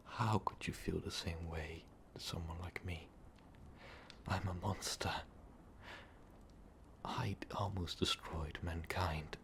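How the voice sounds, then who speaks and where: A man playing a lovestruck, remorseful vampire overlord in an ASMR roleplay, speaking in a halting, breathy, confessional way. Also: background noise, full character voice. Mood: shaken, apologetic. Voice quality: breathy, whispery, gravelly low voice. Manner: halting, slow, confessional, formal wording. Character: tormented, lovestruck male vampire overlord, remorseful ruthless conqueror. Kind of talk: ASMR roleplay, intimate monologue to listener.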